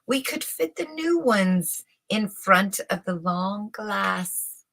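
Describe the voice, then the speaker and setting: Oily storybook swindler, played by a woman, ceremonious, flattering, slow, bright and forceful. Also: medium pitch, vocal fry, exaggerated voice. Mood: obsequious. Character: two fawning, oily swindler tailors presenting invisible clothes.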